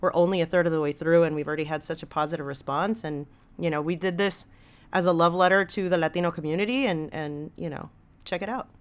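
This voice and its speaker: A woman's voice: lowish voice, fairly even intonation, fast talker, clean tone. A woman guest talking casually on a podcast, emphatic and enthusiastic, with slangy phrasing. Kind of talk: casual conversational podcast talk.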